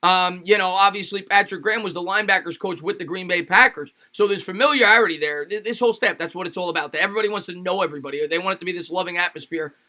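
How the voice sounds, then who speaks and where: Bright high-voiced raspy man streaming. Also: quick pace, hardly any pauses. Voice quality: slightly raspy. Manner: energetic, hypes up fans. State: tired. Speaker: sports YouTube host reading super chats. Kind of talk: casual livestream chat.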